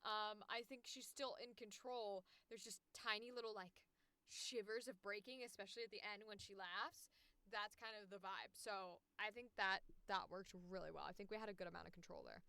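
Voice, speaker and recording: A woman's voice: medium pitch, normal speed, sharp tone, clean tone, dry recording. A woman voice actor chatting casually on a livestream, informal and sweary, thinking aloud as she works. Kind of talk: casual livestream chat while editing audio.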